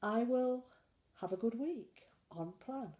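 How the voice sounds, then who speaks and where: A woman's voice: on the high side, expressive, slow, dark tone. A woman with a cold chatting in a casual weekly diet vlog, rambling and self-deprecating. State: full of cold. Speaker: slimming vlogger.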